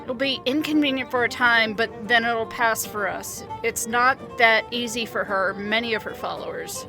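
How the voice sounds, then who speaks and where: An actress playing a disillusioned, self-doubting leader and fed-up wife in an audio drama, with intense, emphatic delivery. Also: female voice, a little high, normal speed, over music, close to an everyday voice. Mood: regretful.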